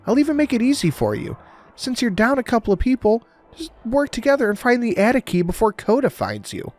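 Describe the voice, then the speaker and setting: A man's voice: very high voice, huge pitch swings, brisk, darkish tone, pitched above the performer's own voice, heavily acted. A man voicing a cold, condescending woman who taunts the listener as she runs a deadly game. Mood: taunting.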